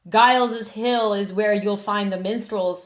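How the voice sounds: Using a booming, put-on character voice, a woman speaks at medium pitch and a fairly slow pace with monotone, flat intonation.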